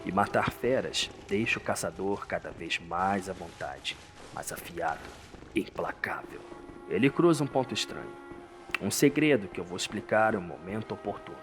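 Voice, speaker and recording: A man with a Brazilian accent narrates a dark story in a theatrical, suspenseful, scripted style. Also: low-pitched, expressive, moderate pace. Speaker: narrator, host. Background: music.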